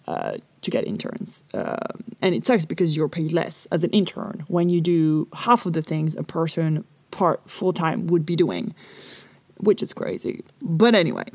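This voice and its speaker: A woman's voice: low voice, sing-song, measured pace, creaky, a little mellow, no room sound. Woman, rambling podcast chat, recorded in a closet among dresses, dry close sound. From Paris, France. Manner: chatty, rambling, casually swearing. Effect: recorded inside a clothes closet. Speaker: podcast host. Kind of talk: casual solo podcast chat. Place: small closet packed with dresses and magazines.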